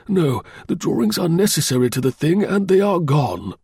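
An earnest, fretful engineer from a storybook, played by a male narrator. His voice sits raised and strained above ordinary talk, formal and emphatic, with a husky, gravelly edge. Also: a little high, expressive, normal speed, a little mellow, dry recording, studio quality, voice pushed up. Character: anxious male engineer-inventor, proud and earnest.

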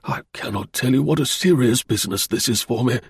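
A man's voice: mid-range voice, fairly quick, breathy edge, no echo, clean studio sound. A man voicing an anxious, proud engineer in a storybook, speaking in a formal, emphatic and fretful way. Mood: desperate. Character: anxious male engineer-inventor, proud and earnest.

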